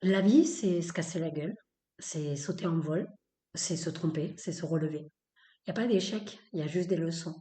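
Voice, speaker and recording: A woman's voice: low-pitched, normal speed, warm tone, reverberant. A woman hosting a spoken podcast episode, talking in a blunt, opinionated way, with many fillers and repeated phrases. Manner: emphatic, repetitive, with many fillers. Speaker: podcast host.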